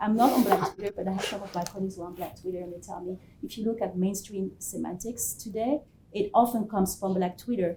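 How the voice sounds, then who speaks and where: Soft-spoken and very fast, a woman at medium pitch keeps fairly even intonation while her loudness swings widely over noticeable background noise. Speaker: academic author. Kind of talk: conference Q&A. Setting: conference with audience.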